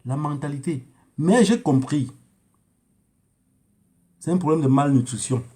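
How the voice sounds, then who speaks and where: Male online commentator, notably high voice, emphatic and repetitive, haranguing his audience in informal monologue. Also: lively intonation, measured pace, dark tone. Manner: emphatic, haranguing, repeats phrases for effect.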